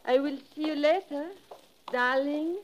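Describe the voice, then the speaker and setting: An actress playing a poised, seductive foreign newspaper reporter, speaking formally and deliberately in a 1950s radio drama. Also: female voice, sits high, background noise. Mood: secretive, composed. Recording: muffled old radio recording.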